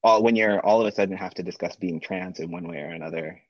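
A man's voice: low-pitched, quick pace, dry recording. A man co-hosting a podcast in casual chat, talking freely and laughing often, heard on slightly dull lo-fi audio. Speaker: podcast co-host.

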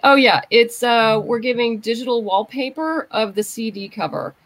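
A woman's voice: fairly high pitch, moderate pace. A woman talking casually as a guest creator on a podcast. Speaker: podcast guest, comics and audio drama creator.

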